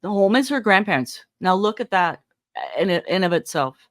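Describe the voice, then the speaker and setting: A woman giving casual true-crime commentary as a host, thinking out loud with emphatic, conversational phrasing. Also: medium pitch, expressive, moderate pace. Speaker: podcast host analysing recordings.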